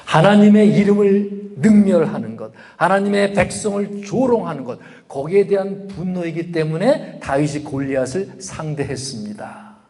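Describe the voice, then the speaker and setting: A man's voice: high voice, lively intonation, moderate pace, mellow. A middle-aged man preaching a sermon as pastor, talking conversationally and asking his listeners rhetorical questions. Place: church sanctuary. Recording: long reverb of a church hall.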